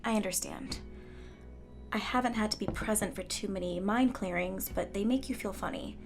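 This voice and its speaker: A woman playing a gentle, perceptive water nymph who works as a nurse in an audio drama, soothing and conversational. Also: mid-range voice, moderate pace, vocal fry, soft background music, lightly acted. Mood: gentle, sympathetic. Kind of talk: naturalistic audio drama acting.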